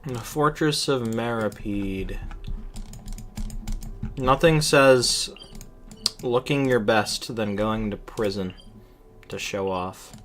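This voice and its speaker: Very low-voiced woman livestreaming a game. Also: takes it slowly, long pauses, noisy background. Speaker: game streamer. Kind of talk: casual livestream chat and game commentary.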